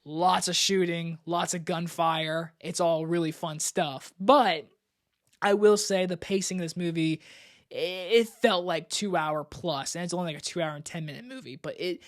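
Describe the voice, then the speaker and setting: A woman's voice: lowish voice, moderate pace. A woman giving a casual movie review in a stuffy, congested voice from allergies, rambling and chatty. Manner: rambling and chatty, with many "like" fillers.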